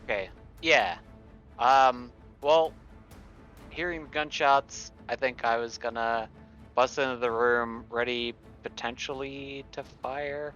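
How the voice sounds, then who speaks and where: A man's voice: medium pitch, takes it slowly, a bit bright. A man playing in a tabletop game, casually and hesitantly working out his move. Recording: slightly dull sound, faint music.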